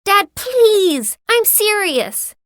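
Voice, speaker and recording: Woman voicing an eager, high-pitched young boy. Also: big pitch swings, very slow, a bit bright, no room sound, studio quality, exaggerated voice. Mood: pleading. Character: earnest, eager boy who dreams of space. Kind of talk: audiobook character reading.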